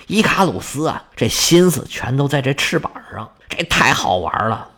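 Animated male storyteller. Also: mid-range voice, normal speed. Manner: vivid, colloquial, sound words, dramatic emphasis. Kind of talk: Chinese folk-style storytelling of myths.

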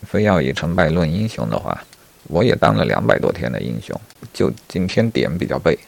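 A man's voice: very deep voice, very animated, brisk, creaky, full character voice. A man voicing a pondering rabbit. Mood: earnest musing. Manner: earnest, reasoning, argumentative. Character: talkative philosophical male rabbit facing death. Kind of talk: storytelling.

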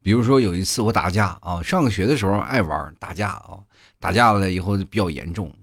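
A young man from Inner Mongolia, hosting a comedy podcast and telling funny school stories in a chatty, animated way, full of asides to listeners. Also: sits low, fairly quick, slightly rough, dry recording, clean studio sound. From Inner Mongolia, China. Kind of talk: comic storytelling monologue.

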